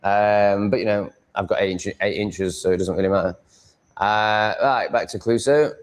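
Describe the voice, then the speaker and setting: A man's voice: lowish voice, fairly even intonation, normal speed, clear, resonant tone. A man with a Yorkshire accent chatting casually as a livestream host, rambling in a blunt, crude, sweary way. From Yorkshire, England.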